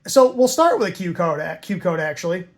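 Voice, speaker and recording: A man's voice: high-pitched, sing-song, a little fast. A man giving an informal tutorial in a conversational way, often checking that the listener follows. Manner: conversational, checks understanding with tags like "right?" and "okay?". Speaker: amateur radio hobbyist teaching Morse code.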